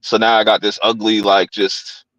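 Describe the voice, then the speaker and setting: A man's voice: fairly low pitch, little pitch movement, moderate pace, fairly bright tone, no room sound, low-quality recording. A man hosting a horror podcast in casual chat, laid-back and slangy, often repeating his phrases. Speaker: podcast host. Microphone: home streaming setup.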